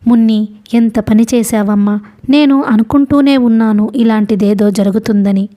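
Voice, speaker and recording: A woman reading the part of an anxious, gentle mother who pleads pitifully with her husband, in an audiobook. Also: fairly high pitch, normal speed, natural voice. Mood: pleading.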